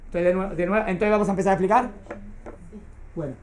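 A woman's voice: medium pitch, fairly even intonation, fast talker, darkish tone, slight background noise. A woman teaching a class, explaining patiently and often checking that her students follow. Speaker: Torah teacher. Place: classroom with a small group. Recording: echoey classroom recording.

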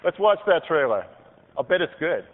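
A man giving an upbeat live software demo on a conference stage, clicking through features as he talks. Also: fairly high pitch, very animated, moderate pace, slight background noise. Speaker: product demonstrator on stage. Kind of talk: live keynote product demo. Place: large convention hall stage. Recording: tinny, hall-reverb archive video of a keynote.

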